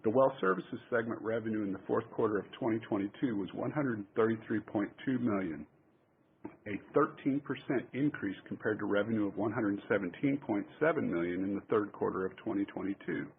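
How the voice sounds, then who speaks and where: A man speaking as a company executive, formally reading a scripted financial presentation in a measured way over a conference call phone line. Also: fairly low pitch. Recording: tinny phone line with clear noise.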